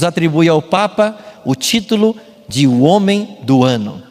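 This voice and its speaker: A Brazilian man preaching a sermon as a pastor, didactic and emphatic, often posing rhetorical questions. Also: a little high. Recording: long hall reverb with music behind. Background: music.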